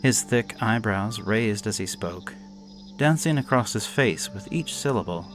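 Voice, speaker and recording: Male storyteller for a gothic horror reading: unhurried, melodic delivery over a soft music bed. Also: lowish voice. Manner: slow, measured, expressive reading. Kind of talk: scripted horror story narration.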